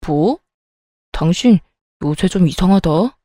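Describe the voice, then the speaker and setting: A woman's voice: lowish voice, expressive, slow pace, warm tone, no echo. A woman voicing a stingy, selfish husband who talks in a dismissive, lecturing way, in storytelling with voiced dialogue. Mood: defensive.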